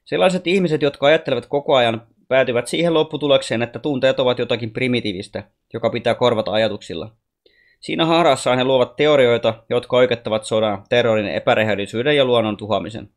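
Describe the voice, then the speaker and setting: A man voicing a wise, gentle alien boy who teaches calmly and patiently. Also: mid-range voice, close to an everyday voice. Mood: gently teaching.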